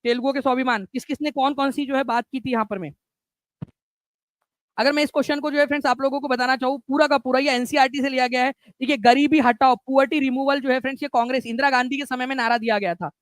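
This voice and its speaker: High pitched guy teaching an online exam class, chatty, keeps repeating stuff, dry close mic. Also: fairly even intonation, quick pace, fairly bright tone, dry recording. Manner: chatty, repeats key points with frequent "theek hai" and "friends".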